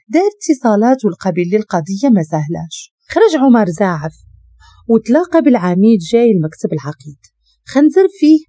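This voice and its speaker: A woman with a Moroccan accent narrating a dramatic story in an expressive, scripted way. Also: medium pitch, dry recording, clean studio sound.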